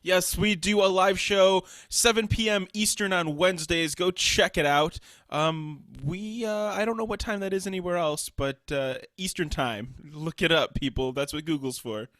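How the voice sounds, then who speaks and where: A man's voice: sits high, normal speed, hardly any pauses, a bit bright, no room sound, clean studio sound. A man co-hosting a casual comedy podcast, firing off crude wisecracks between laughs. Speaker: podcast co-host.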